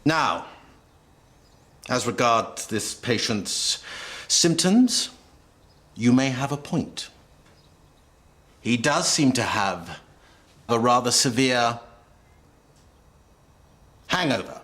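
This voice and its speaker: An actor playing a pompous, theatrical doctor with a British accent in a naturalistic TV drama. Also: male voice, mid-range voice, lively intonation, very slow, long pauses, a bit bright. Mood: teasing. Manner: theatrical, mock-indignant, wordy. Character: pompous, jokey new male doctor at a surgery.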